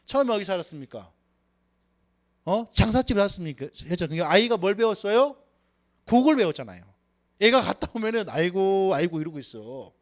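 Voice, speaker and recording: A man's voice: sits high, quick pace, long pauses. A man giving a motivational seminar talk. He acts out quoted voices and keeps asking the audience rhetorical questions. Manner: animated, asks the audience many rhetorical questions. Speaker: sales seminar speaker.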